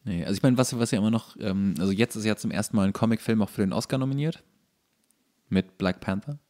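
A man's voice: fairly low pitch, fast talker, a little mellow. A man co-hosting a podcast, chatting informally and explaining things with firm opinions. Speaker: podcast co-host. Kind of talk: casual chat, explaining film trivia.

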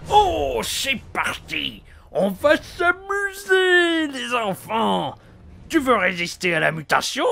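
A man's voice: extremely high pitch, huge pitch swings, creaky, sharp tone, exaggerated voice. A man playing a manic, sadistic clown supervillain in a video game fan dub, taunting and theatrical. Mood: gleeful, taunting. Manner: taunting, drawn-out, swooping delivery.

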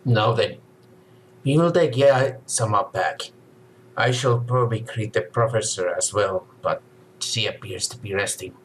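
A man's voice: lowish voice, measured pace, slight background noise, lightly acted, low-quality recording. Man reading as a courteous henchman in black. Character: formal, courteous man in black, a shady servant.

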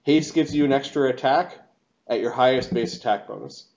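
A man's voice: medium pitch, moderate pace, darkish tone, lo-fi sound. A middle-aged man running a tabletop game as game master, casually narrating and explaining rules over an online call. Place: indoor room, video call.

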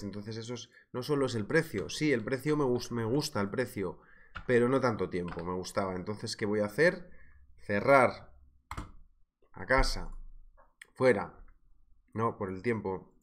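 A man with a Spain Spanish accent who teaches trading in a live webinar, talking in a chatty, joking way and greeting viewers by name. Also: on the low side. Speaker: trading instructor. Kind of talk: live webinar, market analysis.

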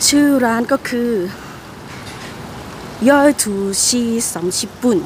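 A woman's voice: fairly high pitch, expressive, slow, background noise. A young woman chatting politely and gushing like a fan in a casual vlog, filmed on a phone held at arm's length while she walks outdoors and sits in a café. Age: young adult. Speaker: vlogger. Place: outdoors on a city street and in a café. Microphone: phone camera held at arm's length.

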